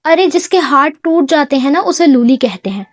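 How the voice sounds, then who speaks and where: A woman's voice: sits high, animated, no echo, clean studio sound. A woman doing a whiny, dramatic young heroine. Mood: cheeky. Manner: whiny, tearful, cheeky.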